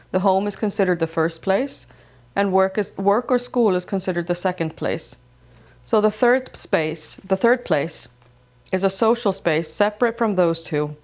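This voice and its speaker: A woman from Iceland hosting a slow-living knitting podcast, speaking calmly and gently, first in reflective narration, then in casual chat. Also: mid-range voice. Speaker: podcast host. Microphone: wireless transmitter mic.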